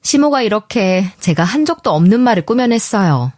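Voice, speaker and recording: Female story narrator, mid pitch, confiding and indignant, dry close-miked read. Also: lively intonation, moderate pace, darkish tone, no room sound. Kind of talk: scripted first-person story narration.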